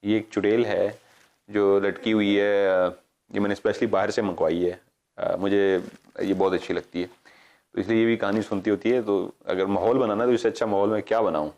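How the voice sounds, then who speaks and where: Fairly low in pitch and brisk in pace, a middle-aged Pakistani paranormal show host relates a story casually. He's animated, playing out the quoted lines, wandering into asides, and halting to correct himself.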